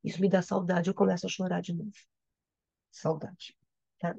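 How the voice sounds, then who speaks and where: A woman's voice: fairly low pitch, little pitch movement, very fast, creaky, dark tone, slightly rough, no room sound. Brazilian lady teacher going through a poem, keeps asking tá?, kinda dull lo-fi audio. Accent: Brazilian Portuguese. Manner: repetitive, checks understanding with "tá?". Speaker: literature teacher. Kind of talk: reading and explaining a poem in a lesson.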